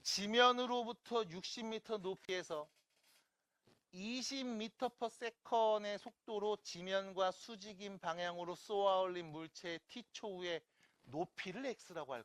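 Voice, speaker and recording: A math lecturer with a mid-range, fairly bright voice teaches an online class step by step. Along the way, they often check in with rhetorical questions and toss in playful asides.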